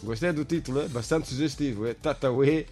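A man's voice: mid-range voice, fairly quick, music in the background. A man hosting a call-in radio show. He is friendly and chatty and repeats what his callers say. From Mozambique. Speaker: radio host taking calls.

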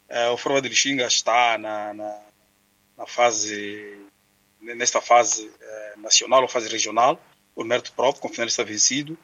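A man, a sports commentator explaining calmly with hesitations. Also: medium pitch, low-quality recording. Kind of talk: radio sports debate.

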